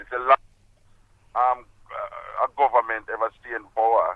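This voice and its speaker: A man speaks with a Jamaican accent. His pace is moderate. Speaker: dub poet and broadcaster. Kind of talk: interview answer.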